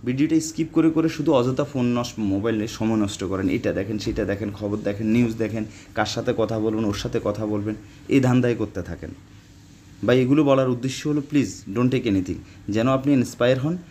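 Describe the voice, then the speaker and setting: A man teaching Arabic phrases in a casual spoken lesson, repeating words slowly and lecturing his viewers. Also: fairly low pitch, warm tone, a little hiss or hum.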